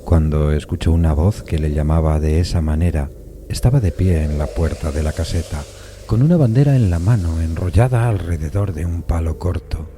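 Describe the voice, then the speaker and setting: A man giving a measured, literary dramatic narration of a classic suspense story. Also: sits low, background noise. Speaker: narrator of an audio fiction adaptation.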